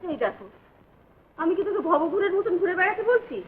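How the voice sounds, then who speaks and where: Middle-aged scolding mother; very high, animated, tinny vintage film audio. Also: a little fast. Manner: scolding, insistent. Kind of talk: 1950s film acting. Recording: tinny old film soundtrack with hiss.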